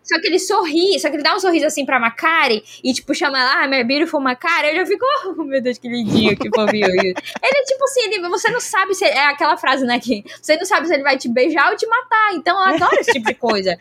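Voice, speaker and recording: A young woman chatting about films in a casual group talk. Her voice sits high and sounds bright and sharp. She gushes with excitement and laughs often. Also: quick pace, hardly any pauses. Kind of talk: casual film chat.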